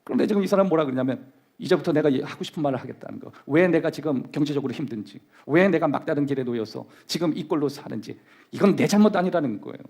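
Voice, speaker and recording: A man preaching from the pulpit with a slightly raised pitch and a husky, breathy edge. His voice swings widely up and down as he drives his points home, leading the congregation through call-and-response. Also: lively intonation, fast talker, a little mellow. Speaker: pastor. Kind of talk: sermon. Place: church sanctuary.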